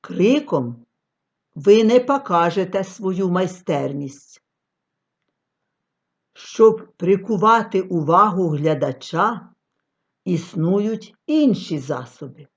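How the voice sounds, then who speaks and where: A woman giving a scripted lecture on artistic reading, with expressive, declamatory delivery and long pauses. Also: lowish voice. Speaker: reading teacher. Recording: dull lo-fi recording.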